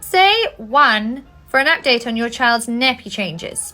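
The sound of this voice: In a put-on, robotic character voice, a woman speaks at a high pitch and moderate pace with lively intonation, faint music in the background.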